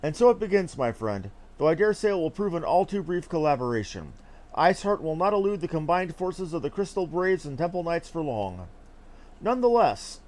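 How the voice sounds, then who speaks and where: High-pitched, animated man reading fantasy dialogue. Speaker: streamer reading game dialogue aloud. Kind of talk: dramatic read-aloud of fantasy game script.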